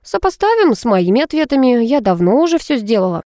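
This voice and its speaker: A woman's voice: on the high side, big pitch swings, a little fast, no room sound, studio quality, voice pushed up. A woman voicing an irritable, stubborn young female student who talks back sharply. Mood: bossy, stubborn. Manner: snappish, sharp-tongued.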